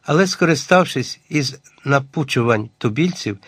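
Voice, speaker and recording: A man reading a first-person adventure novel aloud as scripted audiobook narration, measured and even. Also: mid-range voice, husky, no room sound, studio quality.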